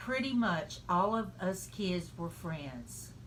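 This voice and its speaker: A woman speaks with a fairly low pitch and lively intonation. Audible room echo surrounds her voice. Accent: Southern US. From US South, small town. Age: 60s. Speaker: political testimonial speaker. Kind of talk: testimony.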